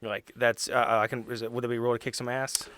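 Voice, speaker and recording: A man chatting casually as a tabletop game player, halting and wisecracking as he slips into character. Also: medium pitch, little pitch movement, a bit bright, slight background noise.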